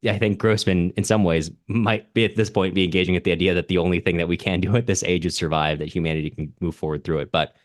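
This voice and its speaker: Casting: man with a low voice as literary podcast co-host. Earnest, analytical, informal, recorded dry. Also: steady tone, fast talker, few pauses, no room sound. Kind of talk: casual literary discussion.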